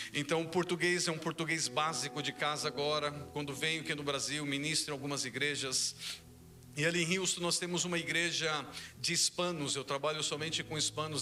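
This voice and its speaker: Over background music, a man speaks in a flat monotone at a fairly high pitch. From Brazil. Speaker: pastor. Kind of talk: sermon. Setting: church. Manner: halting, searching for words.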